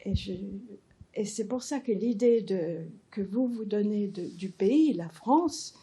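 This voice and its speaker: An older woman in the audience making a thoughtful, measured comment at a talk, with pauses. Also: medium pitch, expressive, dark tone, slightly rough. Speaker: audience member.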